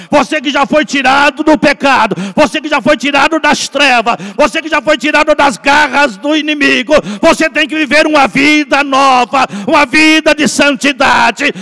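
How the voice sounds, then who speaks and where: A fervent Brazilian pastor in his sixties preaches from the pulpit, his voice riding very high and ringing bright. He swings from loud shouted refrains to hushed low lines. The sound carries a long church reverb. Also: vocal fry. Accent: Brazilian Portuguese. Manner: preaching with swelling shouts and quiet drops. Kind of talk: Pentecostal sermon. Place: large church sanctuary at a pulpit. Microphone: pulpit microphone.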